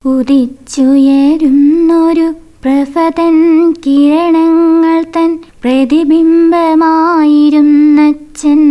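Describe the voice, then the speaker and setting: A woman reciting poetry in a melodic, chanting, drawn-out delivery. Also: high voice, a little mellow. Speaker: poet reciting own work. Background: music.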